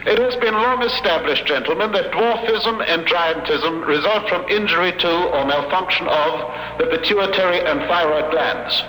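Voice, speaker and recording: An actor playing a pompous, megalomaniac European scientist who gloats formally and menacingly in an old radio drama. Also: male voice, a little high, normal speed, few pauses, pushed and bright, soft background music. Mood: smug gloating. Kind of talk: 1950s radio drama acting. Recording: echoey, noisy vintage 1950 radio broadcast.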